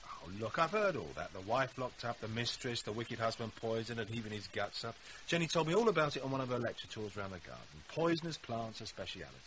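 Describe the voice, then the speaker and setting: An actor playing a brusque, flippant husband with a British accent in a radio drama. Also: male voice, medium pitch, sing-song, fast talker, few pauses, a bit bright, slight background noise, poor audio. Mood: sardonic, irritable. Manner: sardonic, impatient. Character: impatient, brusque, flippant husband, an adult man.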